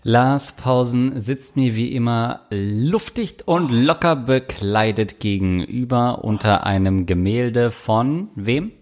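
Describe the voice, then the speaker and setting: A man's voice: medium pitch, lively intonation, takes it slowly, few pauses, darkish tone. A man in casual comedy podcast banter, trading crude, teasing jokes with his co-host. He sounds loose and playful as he introduces listener questions and pokes fun at the topic.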